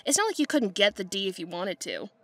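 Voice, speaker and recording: A woman's voice: mid-range voice, fast talker. A woman voicing a sassy, pushy best friend in a comic dub, teasing as she talks. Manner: animated, teasing. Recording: music bed under the voice.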